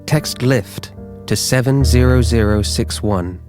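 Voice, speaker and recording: A man reading scripted narration as a professional voiceover artist, measured and clearly articulated. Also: mid-range voice, music in the background. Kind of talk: scripted narration for audiobook, documentary and adverts.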